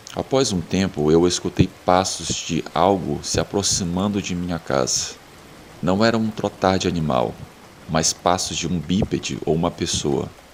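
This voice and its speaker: Noticeable background noise sits behind a man speaking at a fairly slow pace. His very deep, low pitch shows ordinary variation. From Uruguay. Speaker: horror story narrator telling a personal experience. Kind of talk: first-person horror story narration.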